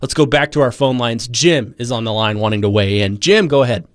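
A young man hosting a sports radio talk show, speaking in an earnest, measured way. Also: medium pitch, dry recording. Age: young adult.

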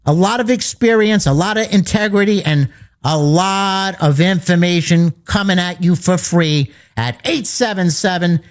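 A man hosting a sports betting radio show, pitching fast and direct to listeners, his voice a little worn. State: slightly losing his voice. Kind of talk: radio talk with sales pitch.

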